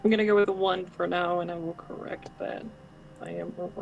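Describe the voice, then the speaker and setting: A woman's voice: fairly low pitch, steady tone, brisk, gravelly, darkish tone, muffled recording, slight background noise. A woman playing a tabletop game, tentative and second-guessing herself about her rolls. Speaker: player. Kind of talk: casual tabletop game play.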